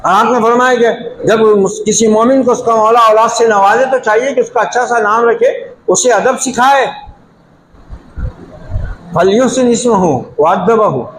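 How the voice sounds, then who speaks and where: A male preacher delivering a sermon in a high, keen voice, scolding and emphatic as he drives each point home. The sound rings with room echo, and a faint hiss sits under it. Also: measured pace, fairly bright tone. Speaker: Islamic preacher. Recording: echoey room.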